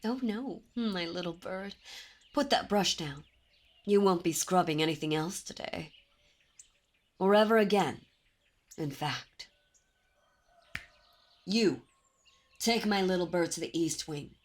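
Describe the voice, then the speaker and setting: A woman voicing a dominant, possessive demon princess in an ASMR roleplay, speaking in a silky, commanding way with soft whispers. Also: fairly low pitch, slow, long pauses. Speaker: voice actor. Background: birdsong and ambient sound effects.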